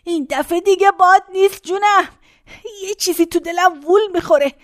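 A woman's voice: very high voice, no echo, studio quality. A woman playing a rambling, pained very old woman. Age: older. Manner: rambling, folksy, drifting between memories and complaints.

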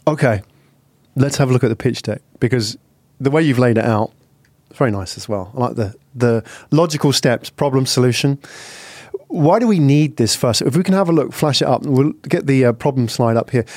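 A man hosting an interview, leading with conversational, brisk questions. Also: mid-range voice, animated, darkish tone, no room sound. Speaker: interviewer, host.

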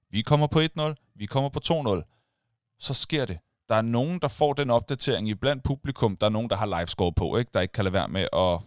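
A man co-hosting a casual chat, telling a story with energy and acting out the shouts of others. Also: medium pitch, clean tone, no echo, studio quality. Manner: animated storytelling, acts out crowd shouts.

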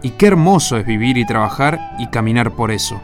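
A man's voice: medium pitch, animated, fairly quick. Reflective male storyteller over music. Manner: poetic, reflective. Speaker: narrator. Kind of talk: scripted radio drama narration.

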